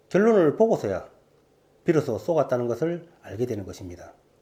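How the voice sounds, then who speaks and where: A man speaks at a moderate pace in a dark, mellow tone with very wide pitch swings. The recording is very clean, with a silent background. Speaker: political YouTuber. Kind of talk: political commentary monologue. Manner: formal.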